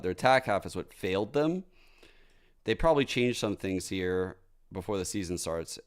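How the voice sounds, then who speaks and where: Casual sweary man, wide-swinging low voice. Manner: blunt, sweary, slangy. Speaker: esports co-streamer. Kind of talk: casual live match commentary.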